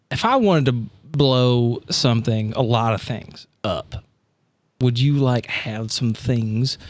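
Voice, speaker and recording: A male player in a tabletop game talks casually in character. He is wry and halting, rambling through his thoughts at a middling pitch, recorded very dry. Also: no room sound. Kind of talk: casual improvised role-play in an everyday voice.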